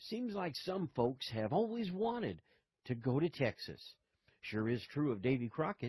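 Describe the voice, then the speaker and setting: Over music in the background, a man talks at a fairly slow pace with very wide pitch swings, the sound dry and close with no echo. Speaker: news narrator. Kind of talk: documentary narration.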